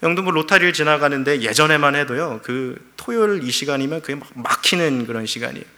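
A man's voice: fairly high pitch, expressive, quick pace, sharp tone. A middle-aged man preaching a sermon as pastor, telling a story with feeling and acting out quoted prayers.

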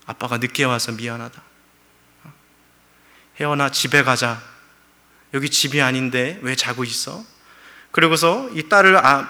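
A man's voice: medium pitch, sharp tone. A middle-aged man preaching a sermon as pastor, telling a story with feeling and acting out quoted prayers.

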